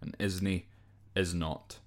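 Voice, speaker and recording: A man's voice: sits low, level tone, slow pace. A Scottish man informally explaining slang from a list, off the cuff and hesitantly, sometimes spelling words out. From Scotland. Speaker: podcast host.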